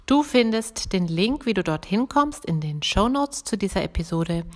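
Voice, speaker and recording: A woman's voice: medium pitch, expressive, normal speed. A woman voice coach hosting a podcast, speaking directly and encouragingly to the listener.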